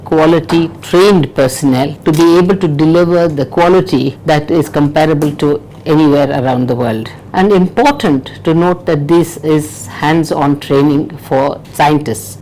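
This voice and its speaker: Low-voiced woman, confident and emphatic. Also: warm tone, a little hiss or hum, low-quality recording. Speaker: training program director. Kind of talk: interview statement.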